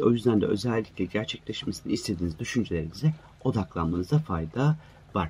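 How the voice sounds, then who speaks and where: Somewhat breathy, a man speaks at a very fast pace with very wide pitch swings. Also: fairly low pitch for a man. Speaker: astrologer. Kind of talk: casual monologue to followers. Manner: quieter than usual.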